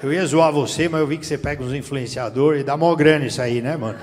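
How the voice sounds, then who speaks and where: A man's voice: on the high side, quick pace. A man from Brazil doing a stand-up comedy set on a theater stage with a handheld mic, teasing the crowd in profane slang. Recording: reverberant theater, faint room noise. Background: audience laughter.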